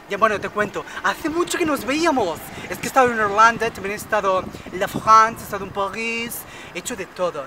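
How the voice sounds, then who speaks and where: A woman's voice: medium pitch, background noise, lightly acted. Estela, a woman playing a spoiled chatterbox. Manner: boastful nonstop chatter, fake foreign accent bits. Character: vain chatty rich young woman, spoiled daddy's girl. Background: background music.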